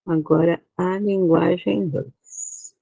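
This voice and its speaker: A woman's voice: lowish voice, steady tone, slow pace, vocal fry, warm tone, husky, no room sound. A Brazilian woman teaching an online class, explaining slides step by step and often checking that her students follow. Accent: Brazilian Portuguese.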